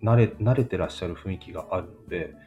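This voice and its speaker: A woman's voice: a bass voice, fast talker, lo-fi sound, soft background music. A woman hosting a friendly, chatty interview and putting questions to her guest. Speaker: interviewer and show host.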